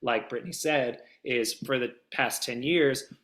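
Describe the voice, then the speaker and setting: A man speaking as an interviewed producer in an animated, casual chat, emphatic and informal in his delivery. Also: mid-range voice, a little slow. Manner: emphatic, informal, acts out little quoted exchanges. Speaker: voiceover demo producer being interviewed.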